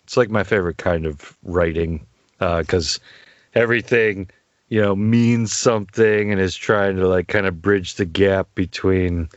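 Deep-voiced man, casual podcast host. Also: unhurried, dry recording. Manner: relaxed, rambling with many fillers. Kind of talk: casual chat. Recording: dull lo-fi dry sound.

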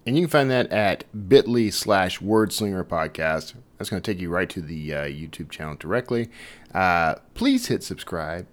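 Deep-voiced man hosting a casual podcast. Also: animated, normal speed. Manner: chatty, informal, hesitant and digressive. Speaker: podcast host. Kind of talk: casual, rambling podcast introduction.

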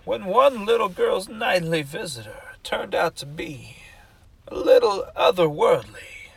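A man hosting a horror radio show, introducing stories in a theatrical, hushed whisper. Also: sits high, expressive, measured pace, creaky, breathy edge, no room sound. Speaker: host.

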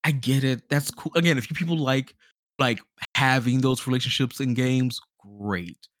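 A man co-hosting a podcast, giving a casual game review in an animated storytelling way, acting out reactions. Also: medium pitch, normal speed, dry recording, studio quality. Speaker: podcast host.

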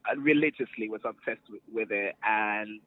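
A celebrity wardrobe stylist guests on an interview, chatting in a lowish voice at normal speed with a transatlantic accent shaped by a New York birth and a childhood across Europe and Sierra Leone. He comes across as playful, self-assured, and full of stories, heard through narrow, tinny, echo-free audio.

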